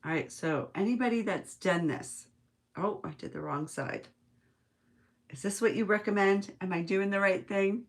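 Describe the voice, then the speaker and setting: A woman's voice: medium pitch, moderate pace. A woman from the United States hosting a live craft stream, chatting casually as she works, musing aloud and chuckling often. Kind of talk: casual craft-along chat, reading viewer comments.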